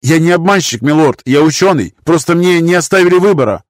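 A man voicing a panicky older male scientist with a shrill, quavering falsetto. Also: lively intonation, fairly quick, no echo, clean studio sound, close to an everyday voice. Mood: pleading.

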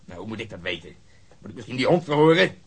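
An actor playing a gruff, sarcastic police detective in a radio drama, speaking in an exasperated, grumbling way. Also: male voice, lowish voice, sing-song, fast talker, exaggerated voice. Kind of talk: Dutch radio drama acting.

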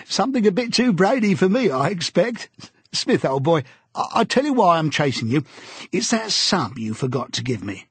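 A man's voice: sits high, sing-song, moderate pace, slightly rough, no room sound, voice pushed up, exaggerated voice. A man reading aloud, voicing a bluff, hearty middle-aged man who is an eager busybody, talking in a jovial, chummy, pushy way.

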